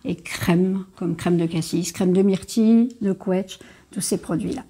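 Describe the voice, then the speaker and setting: A woman's voice: lowish voice, steady tone, measured pace, dark tone, breathy edge. A woman speaking off the cuff in an interview as a tourist office manager, often searching for her words. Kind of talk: unscripted interview, presenting colleagues and local products.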